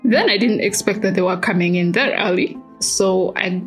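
A woman's voice: medium pitch, moderate pace, faint music behind. A woman in her twenties with a Ugandan accent, telling a personal story in a conversational, reflective way. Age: 20s. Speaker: interviewed alumna, history PhD student.

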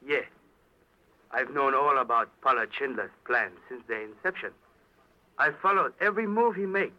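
An actor playing a smooth, scheming, politely menacing villain with a formal, deliberate manner in a 1940s radio drama. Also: male voice, medium pitch, animated, natural voice. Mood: smug. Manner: formal, deliberate, drawn-out hesitant murmurs. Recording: dull old radio recording.

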